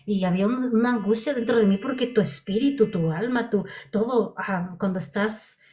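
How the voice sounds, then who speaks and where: A woman's voice: medium pitch, moderate pace, darkish tone. A woman preacher giving a heartfelt sermon testimony, often repeating her phrases. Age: adult.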